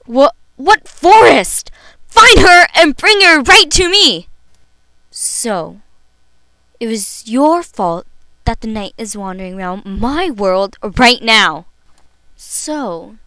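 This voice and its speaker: A woman's voice: fairly high pitch, bright, forceful tone, no echo, heavily acted, rough recording. A woman voicing an imperious, angry fairy-tale evil queen in an audition, barking orders. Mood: furious. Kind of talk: amateur character audition.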